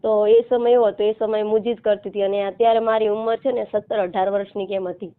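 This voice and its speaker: Woman, Gujarati accent, medium pitch, halting explanations, casual phone call, thin muffled telephone sound. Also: flat delivery, clean tone. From Gujarat, India. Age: 30s. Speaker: caller seeking help.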